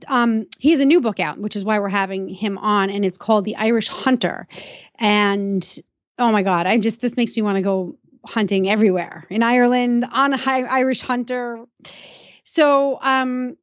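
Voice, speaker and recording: A woman's voice: mid-range voice, no echo, clean studio sound. A woman hosting a radio interview in a chatty, gushing, enthusiastic way. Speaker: radio show host.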